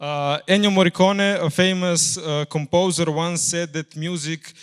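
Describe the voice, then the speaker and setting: Monotone, flat delivery at a fairly slow pace with a strong Slovenian accent. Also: man, dry, close sound with no echo. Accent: thick Slovenian. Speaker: filmmaker. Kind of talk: conference talk. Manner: halting, many fillers.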